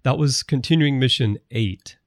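A man's voice: medium pitch, moderate pace, dry recording, clean studio sound. A man hosting a podcast, wrapping up an interview in a friendly, upbeat way. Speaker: podcast host.

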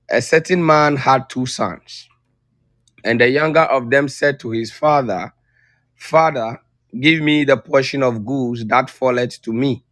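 Guy reading the bible passage, steady, mid voice, dry close sound. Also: medium pitch, no echo. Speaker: scripture reader.

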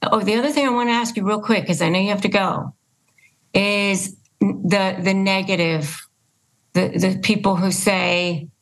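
A woman's voice: mid-range voice, steady tone, unhurried, low-quality recording. A woman hosting a casual conversational interview, speaking emphatically and repeating her points for stress. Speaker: podcast host and interviewer.

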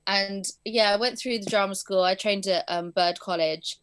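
A woman's voice: medium pitch, steady tone, moderate pace, fairly bright tone, clean tone. A young woman with an English accent, a guest chatting casually about her work as a performing arts teacher and editor, with fillers and easy laughs. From born in England, raised in southern Spain. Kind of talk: casual interview chat.

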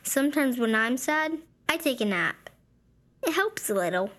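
An actress voicing a quiet, sad and eerie little boy in an audio drama, speaking softly and solemnly. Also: high voice, animated, normal speed. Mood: gentle, solemn. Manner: soft, solemn, childlike.

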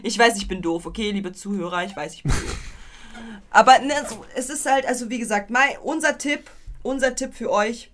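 A woman's voice: on the high side, normal speed, a bit bright. A young woman co-hosting a podcast, chatting casually about films, rambling with many restarts and playful teasing. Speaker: podcast co-host. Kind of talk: casual film review chat.

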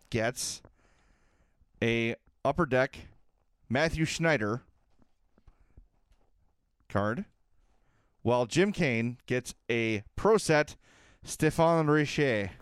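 A man's voice: mid-range voice, expressive, drawn-out words, long pauses, smooth, dry recording, clean studio sound. An American man hosting a sports podcast in a conversational style.

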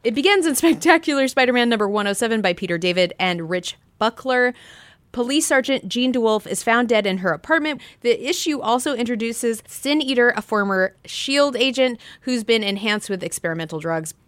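High-pitched, playful woman podcast host. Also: animated, a little fast, a bit bright, no echo. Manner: playful, giggly, jokey asides. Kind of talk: playful comics chat podcast.

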